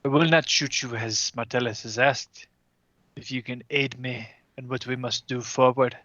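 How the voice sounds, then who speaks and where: Man doing a solemn honorable agent, formal and flat-toned, bright but dull lo-fi sound. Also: medium pitch, no echo, close to an everyday voice. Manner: formal, measured speech.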